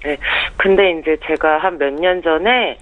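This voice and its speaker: A woman's voice: low voice, unhurried. Woman caller on a tinny phone line. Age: 40s. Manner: casual, hesitant, plain-spoken. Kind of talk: phone-in consultation.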